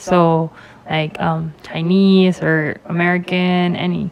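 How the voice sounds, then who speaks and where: A woman is speaking. She has a Filipino accent. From Philippines. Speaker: community college student leader. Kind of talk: podcast interview answer. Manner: casual, hesitant.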